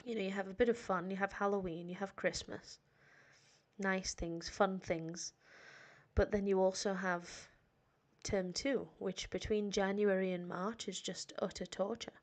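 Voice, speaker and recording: A woman from the north of England with a nasal voice and a northern English accent, sounding tired and a little hoarse, chatting casually and rambling with lots of fillers on a live stream for her English learners. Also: medium pitch, steady tone, unhurried. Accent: northern English, Sheffield. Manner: rambling, self-deprecating, frequent fillers. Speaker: English teacher.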